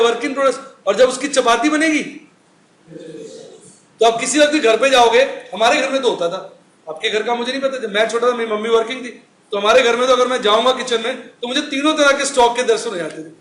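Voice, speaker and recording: A middle-aged man gives a chatty classroom lecture on accounts, throwing questions at the class and answering them himself. His voice sits very high. The room is echoey, with a faint hiss underneath. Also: fairly bright tone. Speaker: accounts teacher.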